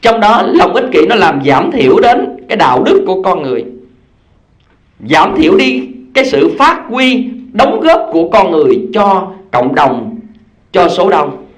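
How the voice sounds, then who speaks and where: A man's voice: high voice, sing-song, a little slow. A male Buddhist teacher giving a dharma talk, telling parables and asking his listeners questions. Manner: storytelling, asks the audience questions.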